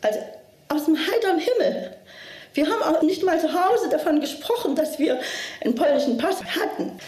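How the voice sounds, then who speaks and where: A woman with an extremely high pitch and lively intonation speaks at a moderate pace with very even loudness and long, frequent pauses, amid noticeable background noise and audible room echo. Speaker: Holocaust survivor. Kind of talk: testimony.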